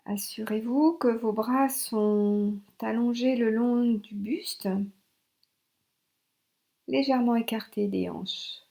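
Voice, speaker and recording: Female meditation guide, fairly high register, warm relaxed timbre, short spaced-out instructions. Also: slow, gravelly. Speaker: yoga nidra instructor.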